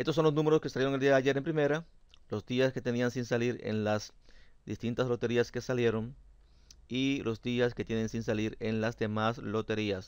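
Medium pitch and moderate pacing from a man with a plain, everyday voice and ordinary pitch variation. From Dominican Republic.

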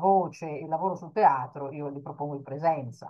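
With a quiet background, a woman talks at a moderate pace in a normal speaking voice, her pitch varying in an ordinary way. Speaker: theatre teacher. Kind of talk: casual explanatory talk about her courses. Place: home room. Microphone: webcam.

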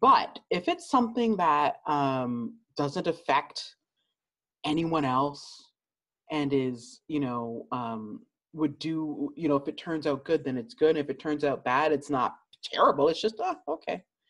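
A woman speaks at a fairly slow pace with a very deep, low pitch and lively intonation. The background is quiet. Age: 40s. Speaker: entrepreneur and business coach; interview guest. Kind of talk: interview. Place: home room. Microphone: video call.

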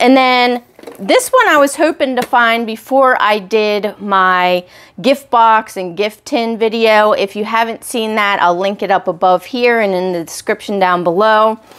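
The woman speaks at a fairly slow pace with ordinary pitch variation. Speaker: haul vlogger. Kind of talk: casual vlog chat. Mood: cheerful, enthusiastic. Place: home room. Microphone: lapel.

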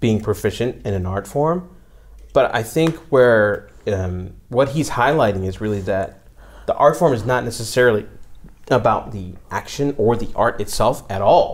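With an American accent, a man in a normal speaking voice talks at a moderate pace and a medium pitch, with lively intonation. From Pittsburgh, US. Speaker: entrepreneur and military veteran. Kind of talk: casual interview chat. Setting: in-person recording.

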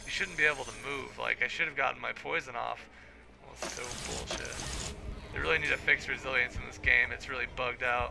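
Noticeable noise sits in the background. A man talks fairly quickly over it. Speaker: gaming commentator. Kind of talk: gameplay commentary. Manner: casual, filler-heavy.

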